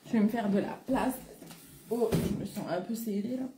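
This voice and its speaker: A woman's voice: medium pitch, moderate pace, warm tone, a little hiss or hum. A French woman hosting a casual live stream as a beauty consultant, chatty and greeting viewers by name, with a throat congested from a coming cold. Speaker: beauty consultant selling online.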